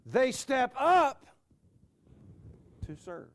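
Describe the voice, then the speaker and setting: A preacher in his sixties delivers a sermon in a high, animated voice that swings widely in pitch. He speaks slowly and deliberately, letting his voice sink on key words. He stops now and then to joke with the congregation. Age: 60s. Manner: dramatic pauses, voice dropping low on key words; jokes with the audience.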